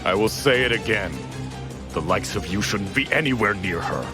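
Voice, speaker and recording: An actor playing a haughty, threatening warrior in an overacted anime dub, with imperious, archaic phrasing. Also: male voice, lowish voice, lively intonation, moderate pace, close to an everyday voice. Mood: cold menace. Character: menacing zealous male warrior, haughty and threatening. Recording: loud music behind the voice.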